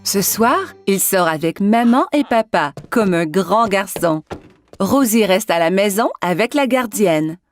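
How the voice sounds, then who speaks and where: A woman narrating a scripted children's cartoon story in an expressive storytelling manner. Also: mid-range voice, measured pace, soft background music, close to an everyday voice.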